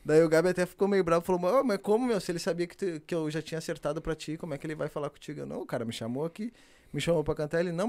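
Young southern Brazilian man, casual slang. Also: on the high side. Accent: southern Brazilian, gaúcho. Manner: relaxed storytelling with slang. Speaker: funk MC guest. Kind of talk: casual chat.

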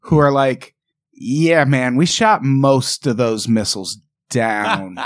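A man's voice: medium pitch, slow pace, dry recording, clean studio sound. A man co-hosting a podcast, talking in a sarcastic, wry, casual way. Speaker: podcast co-host. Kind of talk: casual comedic chat.

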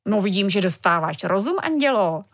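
A woman's voice: mid-range voice, lively intonation, close to an everyday voice. A woman reading as a hearty, blustering dad. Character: excitable dumpling-loving father, grown man.

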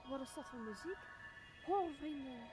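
A woman's voice: high voice, animated, normal speed, over music. A young woman playing a weary, despairing noble leader in an audio drama. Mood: awestruck. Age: young adult. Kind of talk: Dutch audio drama of Shakespeare.

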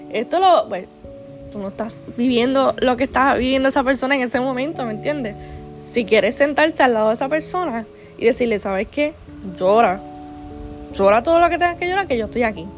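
A woman, telling a personal story in a chatty, rambling way with many restarts and fillers, earnest and faith-minded. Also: on the high side. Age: 20s. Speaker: vlogger.

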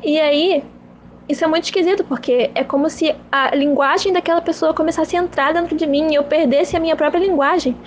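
A woman's voice: high voice, fairly even intonation, fairly quick, slight background noise. A young woman hosting her own podcast, musing and rambling in a self-mocking, repetitive way. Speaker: podcast host. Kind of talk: casual rambling monologue.

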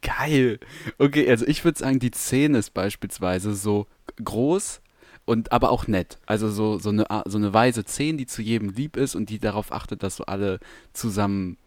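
A man co-hosting a podcast in casual chat, talking haltingly with lots of fillers and restarts. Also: fairly low pitch, darkish tone, no echo. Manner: hesitant, many fillers and restarts. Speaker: podcast co-host.

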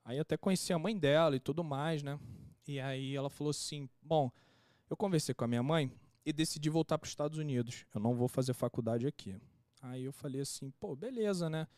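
A young man, a podcast guest casually telling an anecdote in a slangy, animated way and acting out the quotes. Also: fairly high pitch, fairly quick, no echo, clean studio sound.

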